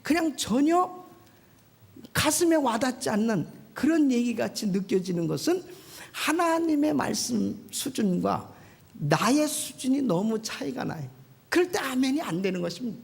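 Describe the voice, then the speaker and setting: Gravelly, animated Korean pastor preaching. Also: medium pitch. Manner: animated, keeps prodding the congregation with quick questions. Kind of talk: sermon.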